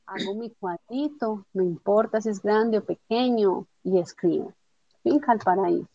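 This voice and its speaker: A woman teaching a software tutorial step by step, patiently checking that her student follows along. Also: medium pitch, measured pace, vocal fry, no room sound. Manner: patient, explanatory, checks understanding with tag questions. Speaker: instructor. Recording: dull lo-fi dry audio.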